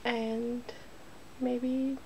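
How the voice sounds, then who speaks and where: A woman's voice: on the high side, level tone, extremely slow, mellow. A woman hosting an ASMR video, chatting casually and informally as she works on someone's makeup. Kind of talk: ASMR, casual chat while doing makeup. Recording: noticeable background noise.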